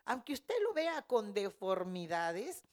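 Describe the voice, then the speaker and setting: A woman's voice: medium pitch, big pitch swings, slow pace, darkish tone. A middle-aged woman giving a fervent Christian testimony in an interview, telling her story with emotion. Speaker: care home director.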